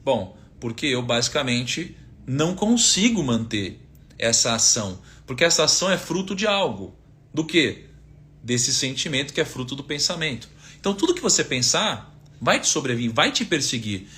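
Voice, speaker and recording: Bright-voiced Brazilian man teaching casually. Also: medium pitch, big pitch swings, normal speed. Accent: Brazilian Portuguese. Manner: conversational, asks rhetorical questions, quotes scripture. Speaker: finance speaker giving a faith-based talk. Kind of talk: casual teaching talk, live stream.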